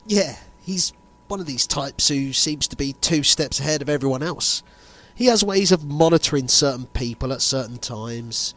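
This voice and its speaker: A man playing a grave insider revealing a sinister conspiracy in an amateur audio drama, speaking deliberately with dramatic pauses. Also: medium pitch, animated, a bit bright. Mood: explanatory, intent.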